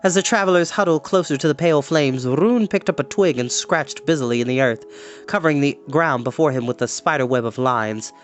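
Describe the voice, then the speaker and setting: A man reading a storybook aloud as an expressive narrator. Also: on the high side, brisk, soft background music. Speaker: storyteller, host.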